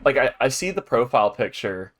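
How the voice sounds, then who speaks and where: A man rambles cheerfully through a game playthrough, his congested voice carrying many ums and restarts as he records at home. His voice is mid-range, sing-song, and brisk.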